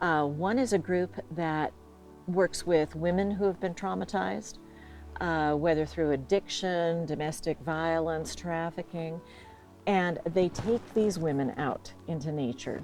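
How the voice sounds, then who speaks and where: A woman's fairly low voice at a fairly slow pace, with music in the background. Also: ordinary pitch variation. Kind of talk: casual conversation.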